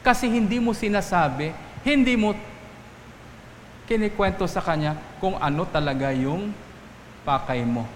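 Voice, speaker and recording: A man's voice: sits high, lively intonation, unhurried, pauses often, slight background noise. A man, a priest, giving a Sunday homily, telling stories and acting out the voices of the people in them. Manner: storytelling, acting out quoted voices, asking "Amen?". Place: church. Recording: echoey church hall, faint ambience.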